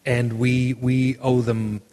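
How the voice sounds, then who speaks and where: A man's voice: medium pitch, little pitch movement, takes it slowly, dark tone, long reverb tail. A man hosting a podcast, chatting casually in a rambling way with many fillers and signing off the show. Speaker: podcast host. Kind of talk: casual chat and show sign-off.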